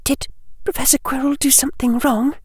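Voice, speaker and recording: A man reading an audiobook, voicing an earnest, anxious, bookish young girl in a high, breathy voice. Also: little pitch movement, fairly quick, a little mellow, dry recording, studio quality. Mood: hesitant.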